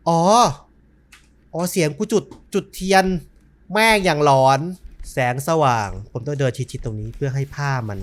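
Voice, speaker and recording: A man giving casual, jokey let's-play commentary on a horror game, swearing and muttering to himself. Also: fairly high pitch. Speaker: gaming streamer.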